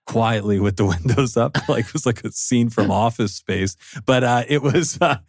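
A man's voice: medium pitch, moderate pace, no room sound. A man hosting a podcast in a casual, chatty style, close to the microphone. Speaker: podcast host. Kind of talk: casual chat.

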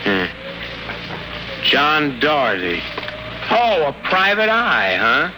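Surly american hearse driver, kinda high for a man, noisy old radio show. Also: wildly swooping pitch, slow pace, exaggerated voice. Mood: curt, suspicious. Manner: curt, sarcastic. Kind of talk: 1950s American radio acting.

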